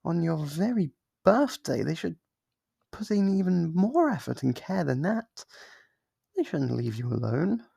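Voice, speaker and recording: A man voicing a lonely, clingy sealed demon who is sweetly manipulative, in an ASMR roleplay with soft-spoken, wheedling talk. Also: fairly high pitch, sing-song, a little slow, gravelly, slightly rough, dry recording, clean studio sound, exaggerated voice. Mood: tender.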